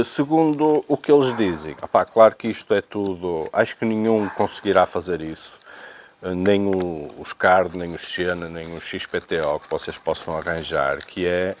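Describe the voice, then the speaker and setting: A man with a European Portuguese accent presenting an unboxing in casual, unscripted talk, hesitating and repeating himself as he thinks aloud. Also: sits low. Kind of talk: casual unscripted product review.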